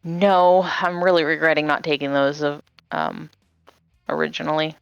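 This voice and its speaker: Woman, tabletop player, lower voice, casual chatty, dry sound, faint music. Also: steady tone, normal speed, gravelly, smooth, dry recording, muffled recording.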